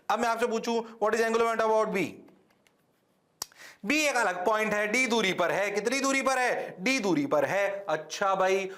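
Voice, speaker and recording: Guy teaching physics in a classroom, pretty high voice, jokey and teasing, keeps firing questions at the class. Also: bright, forceful tone, echoey room. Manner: playful, teasing, rapid-fire questioning.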